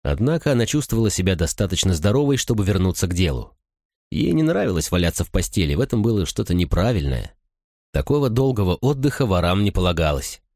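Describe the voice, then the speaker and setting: A male narrator with a very deep, low voice reads an audiobook at a steady, measured pace. The recording is dry and close, with no room sound. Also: dry recording. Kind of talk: scripted narration.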